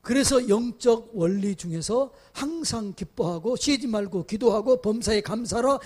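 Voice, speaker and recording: A male pastor preaching at a revival meeting. He questions the congregation and builds to loud exhortations. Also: high voice, lively intonation, normal speed, slightly rough. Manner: acts out quoted voices in dramatic asides. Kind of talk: revival sermon.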